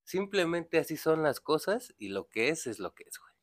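A man's voice: fairly high pitch, very animated, moderate pace, no echo. A young man with a Mexican accent telling a story in casual chat, slangy and profane, acting out the people in it. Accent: Mexican Spanish. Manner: slangy, swears a lot, acts out characters in his story.

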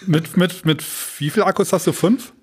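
A man with a husky, somewhat high voice hosts a podcast. He talks casually and informally, with a teasing touch toward his co-host. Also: moderate pace.

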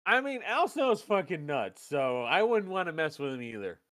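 A man's voice: on the high side, sing-song, moderate pace, a bit bright. A man co-hosting a casual wrestling recap podcast, bantering loosely, laughing often and swearing freely. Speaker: podcast co-host.

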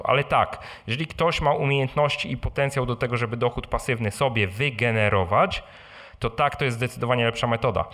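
A man's voice: mid-range voice, fairly bright tone. Conversational man hosting a live Q&A. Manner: conversational, explanatory, often adds tag questions. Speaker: host answering audience questions, blogger. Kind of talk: informal live Q&A talk. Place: live event with audience and microphones.

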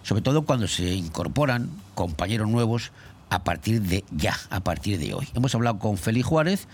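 Lively, jokey radio host. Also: male voice, lowish voice, normal speed, breathy edge. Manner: jokey, talkative, teasing questions. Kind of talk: casual radio interview.

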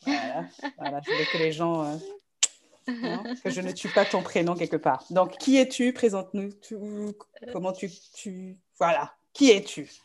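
A woman's voice: fairly low pitch, expressive, moderate pace, crowd noise. A woman hosting a podcast interview in a chatty, playful way, slipping English words into her talk. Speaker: podcast host.

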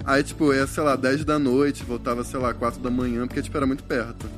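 A man's voice: mid-range voice, fast. A man in a casual chat, telling a story expressively and acting out what he said. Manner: expressive storyteller, acts out his own outbursts. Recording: faint music underneath. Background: faint background music.

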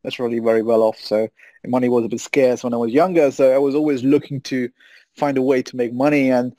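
Speaking quickly in a steady, dark, medium-pitched voice with no echo, this thirtysomething trader from Germany is a podcast guest in a relaxed interview. He rambles cheerfully and laughs a lot.

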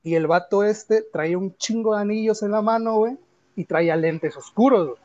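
A man's voice: sits high, fairly quick, darkish tone, highs cut off. A man with a Mexican accent chatting casually and telling personal anecdotes in informal, slangy speech.

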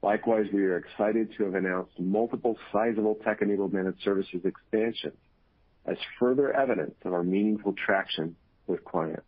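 A man in the role of company executive reads scripted earnings call remarks in a measured, formal way. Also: on the low side, slightly rough. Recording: tinny, muffled phone conference line.

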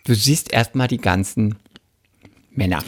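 A man co-hosting a casual comedic chat, telling stories and acting out quotes in a high voice. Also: unhurried, slight background noise. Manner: animated storyteller, acts out quotes in high voice.

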